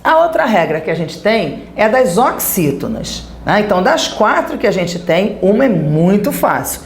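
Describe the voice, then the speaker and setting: Lively Brazilian woman teaching grammar. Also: mid-range voice, moderate pace, echoey room, slight background noise. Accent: Brazilian Portuguese. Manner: lively, explaining with checks like "tá?" and "né?". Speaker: Portuguese teacher. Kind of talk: recorded video lesson.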